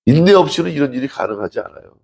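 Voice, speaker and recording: Male pastor, husky gravelly voice, chatty sermon style with acted-out dialogue. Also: medium pitch, animated, racing, darkish tone. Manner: conversational preaching, rhetorical questions to the congregation; acts out dialogue from scripture stories.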